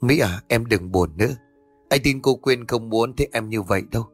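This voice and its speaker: A man's voice: medium pitch, moderate pace, husky, dry recording, faint music behind, lightly acted. A man voicing an earnest young man who tenderly asks a grieving woman to trust him.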